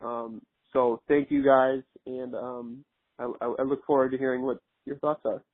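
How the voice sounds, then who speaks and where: Male caller, even monotone delivery, polite and halting, thin telephone voicemail audio. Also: medium pitch, no room sound. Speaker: listener leaving a voicemail. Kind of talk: casual voicemail message. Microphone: phone. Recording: tinny phone voicemail line.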